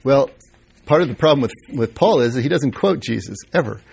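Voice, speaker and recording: A man's voice: medium pitch, expressive, brisk, vocal fry, a little mellow, slightly rough. A man teaching Bible history in an informal lecture, answering questions and thinking aloud with fillers and restarts.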